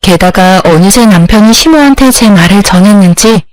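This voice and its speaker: A woman's voice: medium pitch, animated, normal speed, dry recording. A woman in her thirties telling her own story in scripted narration, with an aggrieved, plaintive tone. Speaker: story narrator, the wronged wife.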